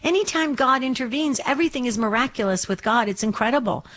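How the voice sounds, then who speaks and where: A woman's voice: fairly high pitch, animated, quick pace, a bit bright, a little hiss or hum. Enthusiastic woman hosting call-in radio. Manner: enthusiastic, repeats words. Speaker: radio call-in show host. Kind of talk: religious call-in radio talk.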